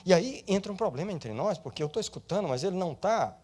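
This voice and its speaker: A male pastor preaching an animated sermon, swinging between loud and soft and slipping English words into his speech. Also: high voice, fast talker.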